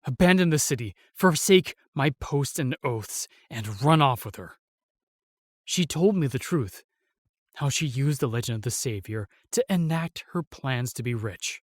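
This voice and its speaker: A man's voice: mid-range voice, lively intonation, no echo, clean studio sound. Man acting a solemn, remorseful fantasy knight. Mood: pained. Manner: halting, weighty storytelling with sighs and pauses. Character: solemn, remorseful knight, sworn protector of the realm. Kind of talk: fantasy audio drama acting.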